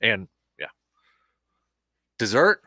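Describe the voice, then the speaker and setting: A man hosting a talk show in casual chat, relaxed and rambling with plenty of fillers. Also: on the low side, very slow, dry recording, clean studio sound. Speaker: host.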